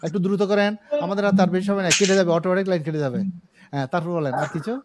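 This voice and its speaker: Man, English teacher, online class, slightly high voice, patient, repeats examples. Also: racing, background noise. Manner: patient, explains with everyday examples and repeats key words. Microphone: video call.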